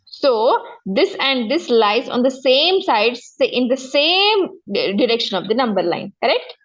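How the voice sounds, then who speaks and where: High-voiced South Asian woman teacher, muffled audio. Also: very animated, a little slow. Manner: repetitive, frequent check-in questions. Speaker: maths teacher. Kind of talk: one-to-one lesson, explaining step by step.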